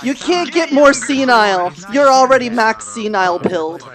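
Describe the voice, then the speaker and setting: A woman chatting casually while roleplaying in a social VR game, with a drawn-out, playful delivery. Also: a little high, animated. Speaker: roleplay streamer.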